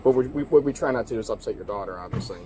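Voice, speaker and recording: A male police officer explaining things casually to someone he is arresting, halting and repeating his phrases as he reassures, picked up on a body camera outdoors. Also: medium pitch, animated, a crowd in the background. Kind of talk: casual explanatory talk to a person being arrested. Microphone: body-worn camera. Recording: bodycam audio with vehicle sounds.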